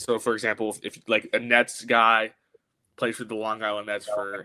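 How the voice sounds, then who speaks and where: A man with an American accent talks at a moderate pace, recorded dry and close with no echo. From Texas (Dallas). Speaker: basketball guest. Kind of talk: casual interview chat. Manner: halting.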